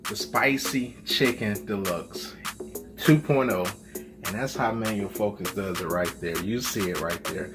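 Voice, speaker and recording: A man hosting a casual cooking video, relaxed and chatty, tacking "man" onto most of his sentences. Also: low-pitched, normal speed, music in the background. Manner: laid-back, says "man" constantly. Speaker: cooking channel host.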